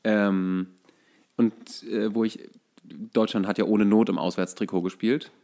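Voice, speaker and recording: A man chatting as a podcast co-host, explaining details in a halting, hesitant way. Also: lowish voice, fairly even intonation, warm tone. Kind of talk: casual chat, explaining football.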